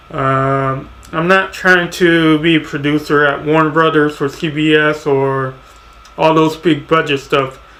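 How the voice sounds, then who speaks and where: Through noticeable background noise, a man talks in a fairly high-pitched, flat monotone. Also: fairly slow pace. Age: 40s. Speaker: vlogger. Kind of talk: casual monologue vlog. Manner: halting.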